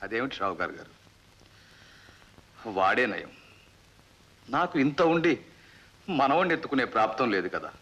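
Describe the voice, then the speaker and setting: An actor playing a wealthy, kindly older landlord who speaks in a calm, measured way. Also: male voice, medium pitch, dull audio. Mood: wistful. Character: wealthy, kindly old landlord longing for a grandson. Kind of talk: 1960s film drama.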